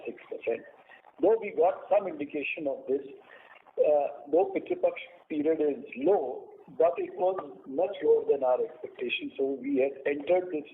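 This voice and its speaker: A man with an Indian accent answering as a company executive on an earnings call in halting, choppy phrases. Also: fairly high pitch. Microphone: conference call line. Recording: tinny phone line with faint noise.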